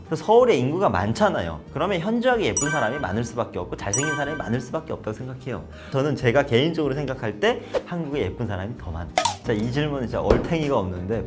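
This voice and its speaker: A young man from North Korea talking casually to camera, telling stories with acted-out quotes. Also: mid-range voice. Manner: lively storytelling with acted-out quotes. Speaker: vlogger.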